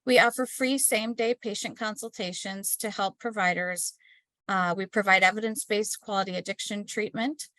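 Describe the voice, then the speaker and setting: A woman hosting an online webinar, reading announcements and introducing the speaker in a steady, scripted way with small slips, over a computer mic on a video call. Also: medium pitch, moderate pace, dry recording. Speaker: webinar host.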